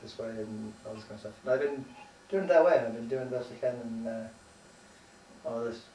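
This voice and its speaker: An American man from the United States, the interviewee, chats casually about his life in a medium-pitched, dark voice at a moderate pace. He's hesitant and rambling, often trails off, and swears offhandedly. The recording has a roomy echo, a distant mic, and faint noise.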